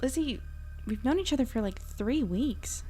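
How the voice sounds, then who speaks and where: A woman's voice: sits high, expressive, normal speed, dark tone, soft background music. An actress playing a guarded young woman in a naturalistic audio drama, hesitant and understated. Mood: wary, annoyed. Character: guarded young woman, new in town, independent.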